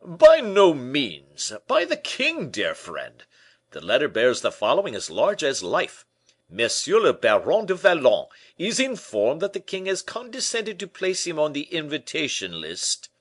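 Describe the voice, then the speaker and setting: Male reader doing a loud, high, pompous nobleman for an audiobook; hot-tempered, boastful. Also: huge pitch swings, measured pace, slightly rough, heavily acted. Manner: pompous, indignant, loud outbursts. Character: vain blustering middle-aged nobleman, hot-tempered. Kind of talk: audiobook character voice.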